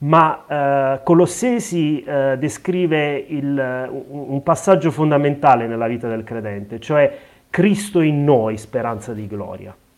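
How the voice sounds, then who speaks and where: Very slowly and with lively intonation, a man speaks at a fairly high pitch with big swings in loudness. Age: 30s. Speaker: pastor. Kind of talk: interview testimony. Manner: halting, frequent repetitions.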